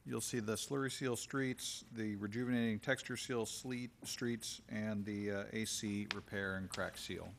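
A man's voice: lowish voice, steady tone, unhurried, gravelly, hardly any pauses, a bit bright, slight background noise. An American man answering questions as a city official in a council chamber.

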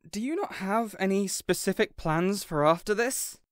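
A woman's voice: mid-range voice, expressive, no echo, clean studio sound. A woman playing a hapless but stubborn, earnest underdog villain in an audio roleplay, speaking hesitantly. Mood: resigned. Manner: hesitant, sighing, halting.

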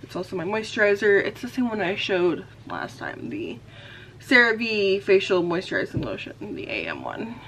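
A woman's voice: medium pitch, very animated, normal speed, a bit bright, a little hiss or hum, rough recording. A woman in her thirties chatting casually to a camera in her bedroom, rambling with many fillers while she puts on makeup. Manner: talks while putting on makeup. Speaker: vlogger. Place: bedroom at home. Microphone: camera on a desk in front of her.

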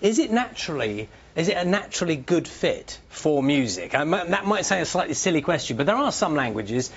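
A man hosts breakfast television, asking questions in a halting way that stops and restarts. His voice is husky and fairly high, and it moves around a lot. The broadcast audio is slightly dull. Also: sing-song. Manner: hesitant, self-correcting questions. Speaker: breakfast TV presenter. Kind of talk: TV interview questions.

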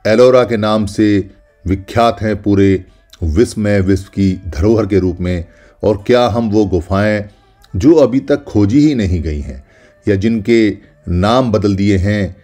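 A man's voice: on the low side, warm tone, soft background music. A man giving a solemn, scripted documentary narration, speaking in first person as if he were the ancient caves, listing names one by one. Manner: deliberate, lists names one by one. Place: voice-over.

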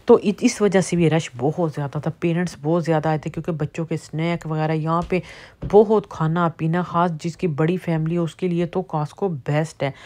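A woman's voice: lowish voice, a little mellow. A middle-aged woman from Pakistan giving a chatty running commentary on prices in a casual shopping vlog, filmed on a handheld phone in a large warehouse store. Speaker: vlogger.

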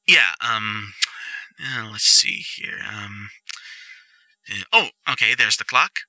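A young man playing a goofy, excitable, reckless jock boyfriend in a roleplay audio drama, rambling eagerly and stammering. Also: lowish voice, slow pace, no echo, full character voice. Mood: sheepish, casual.

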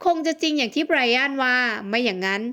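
A woman narrating a romance audiobook in a steady, expressive reading. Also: high voice, quick pace. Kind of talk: scripted narration.

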